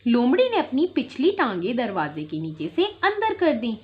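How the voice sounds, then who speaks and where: Lively high-voiced woman teacher. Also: normal speed, muffled recording, a little hiss or hum. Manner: explains and repeats simply, checks in with "theek hai". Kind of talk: storytelling lesson for young children. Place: home, online class.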